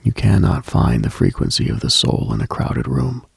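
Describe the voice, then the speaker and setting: This man hosts late-night radio, musing in a hushed, husky whisper-like murmur with lots of vocal fry in his very low voice. His gravelly, breathy delivery swings widely in pitch and leaves long pauses across a slow, mystical, ASMR-style monologue. It is recorded close and dry, with no room sound.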